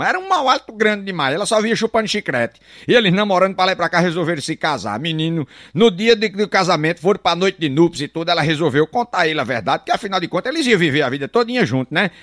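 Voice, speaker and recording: A man with a northeastern Brazilian accent telling a string of jokes in a lively storyteller manner. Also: high-pitched, fast, no room sound, studio quality. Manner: lively storyteller, shouts a catchphrase between jokes. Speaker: joke teller.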